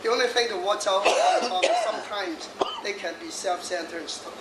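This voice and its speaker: A man's voice: high voice, wildly swooping pitch, moderate pace, far from the mic, over loud music. Chatty man in his sixties, echoey hall. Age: 60s. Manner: jokey, laughs often, chatty asides. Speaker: feng shui master giving a talk. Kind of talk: lively lecture to an audience. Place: hall in front of an audience. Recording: echoey hall audio from afar with noise.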